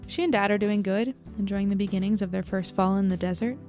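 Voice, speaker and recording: A woman's voice: mid-range voice, fairly even intonation, fast talker, dark tone, soft background music, close to an everyday voice. A woman in her twenties playing an anxious, wry young reporter rambling into an audio diary in a casual, self-deprecating way. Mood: wistful. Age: 20s. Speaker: narrator and lead character. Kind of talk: audio drama diary monologue, casual and conversational.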